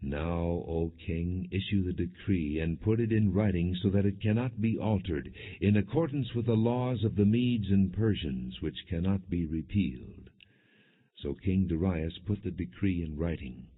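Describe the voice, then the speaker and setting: Deep-voiced man solemnly narrating scripture, muffled audio. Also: slightly rough. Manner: solemn, measured phrasing with deliberate pauses.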